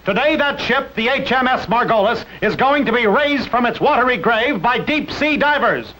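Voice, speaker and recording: A man's voice: very high voice, lively intonation, normal speed, sharp tone, a little hiss or hum, heavily acted, low-quality recording. A man narrating a 1960s cartoon in a mock-dramatic announcer style.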